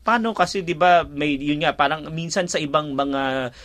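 A Filipino man co-hosting a relaxed radio chat, his voice sitting a little high for a man. He talks in an easygoing, chatty way, laughs often and spells out words letter by letter. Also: moderate pace. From Philippines. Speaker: radio co-host. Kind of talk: casual chat.

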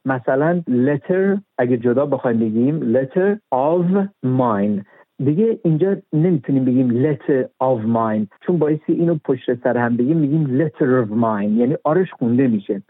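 A man's voice: mid-range voice, dry recording. A man talking as an expert guest in an interview, methodical and patient, spelling words out letter by letter. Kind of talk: explanatory interview talk. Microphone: phone. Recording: tinny phone line.

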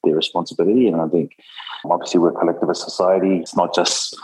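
A man talks in a relaxed interview, thinking aloud with plenty of fillers. His voice is very deep and husky. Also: fast talker, poor audio. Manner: thoughtful, many fillers. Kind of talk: casual interview talk.

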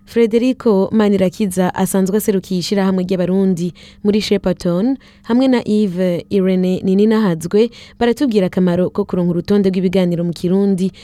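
A woman presenting a radio report in scripted narration, measured and informative. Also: medium pitch, fairly even intonation, dark tone, no echo. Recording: dry studio sound.

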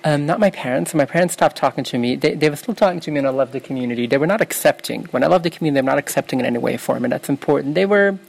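A woman's voice: sits low, very fast, vocal fry, hardly any pauses, darkish tone, slightly rough. A young woman from New York, a native Yiddish speaker, answering interview questions in an earnest, self-correcting way. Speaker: interview guest.

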